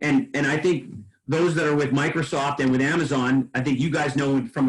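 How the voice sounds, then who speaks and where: A man's fairly high, somewhat breathy voice at a moderate pace. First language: French. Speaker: sales trainer. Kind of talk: training workshop. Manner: animated.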